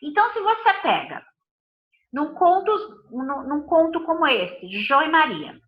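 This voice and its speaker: A woman's voice: sits high, very animated, normal speed, echoey room, highs cut off. A woman with a Brazilian Portuguese accent, a body and behavior analyst giving a live talk to viewers, speaking emphatically in repeated lists of phrases.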